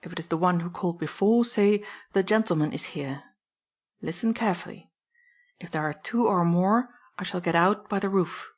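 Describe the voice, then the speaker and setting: Woman reading composed man, curt, firm commands, her own lowish voice, audiobook. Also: normal speed, lightly acted. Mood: commanding.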